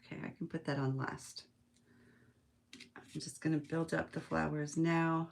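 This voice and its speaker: The woman at the craft table on a weekend livestream, thinking out loud and chatting easily with whoever drops in. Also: deep voice, level tone, normal speed, creaky. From United States. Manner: chatty, musing aloud, chuckling often. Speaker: host of a live craft stream. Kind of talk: casual craft-along chat, reading viewer comments.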